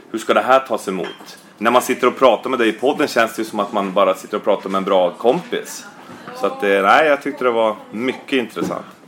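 Noticeable background noise sits behind this recording. A man talks with ordinary pitch variation. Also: medium pitch for a man, fairly quick pace. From Norrland, Sweden. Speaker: hockey expert. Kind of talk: casual chat.

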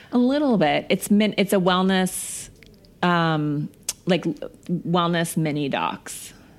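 A woman with a Northwest US accent talks very slowly in a fairly low pitch with lively intonation. Her loudness stays very even throughout. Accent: American (Northwest). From Montana, US. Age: 30s. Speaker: media executive. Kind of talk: casual interview.

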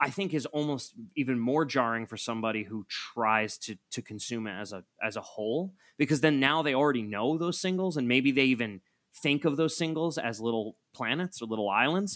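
Using a normal speaking voice with lively intonation, a man with an American accent talks at a moderate pace, the recording very clean, dry and close, with a silent background and no echo. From upstate New York (Hudson). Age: 30s. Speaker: musician, band leader. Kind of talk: casual interview chat.

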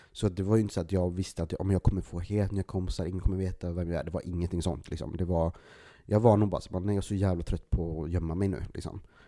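A man talks at a very fast pace with a very deep, low pitch. His tone is dark and mellow, and his intonation is monotone and flat. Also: very clean recording, silent background. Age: 20s. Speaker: podcast guest. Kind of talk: casual chat.

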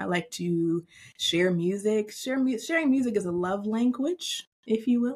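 Somewhat breathy, a woman speaks at a fairly high pitch and a fairly slow pace with lively intonation. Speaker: podcast host. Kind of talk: casual interview. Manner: giggly.

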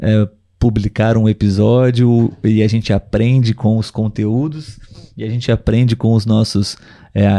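In a dry, close sound with no echo, a man with a dark, mellow tone speaks at a fairly slow pace with fairly even intonation. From Brazil. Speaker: podcast host and language teacher. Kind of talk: live stream chat with listeners. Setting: online video call.

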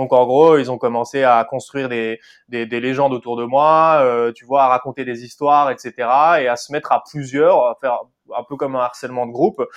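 Here a man speaks at a moderate pace and medium pitch with fairly even intonation and big swings in loudness, in a dry, close sound with no echo. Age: 30s. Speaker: former cocaine addict sharing his story. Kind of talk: testimony. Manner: halting, many fillers.

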